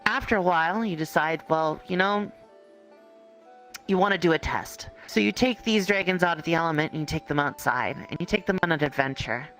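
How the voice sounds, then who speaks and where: A game master improvising second-person roleplay narration in a conversational, halting way. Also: mid-range voice, a bit bright, soft background music, rough recording. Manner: conversational, halting storytelling with hedges.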